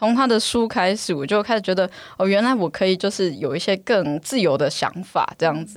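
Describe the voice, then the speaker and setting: A woman speaks in a normal speaking voice at medium pitch, with lively intonation. Her pace is moderate, and the recording is very clean with a silent background. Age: 30s. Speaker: hotline intern. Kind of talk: casual chat.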